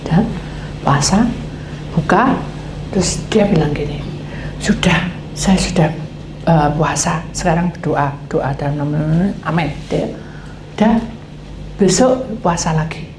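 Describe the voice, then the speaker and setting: A woman's voice: low voice, unhurried, long pauses. A woman pastor, telling a story in a sermon and acting out the voices of the people in it. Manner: acts out quoted dialogue, animated. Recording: echoey hall, faint noise.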